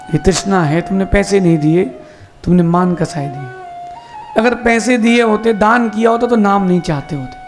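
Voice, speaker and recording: A man, a Jain monk, giving a sermon with slow emphatic explanations and rhetorical questions. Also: high voice, soft background music.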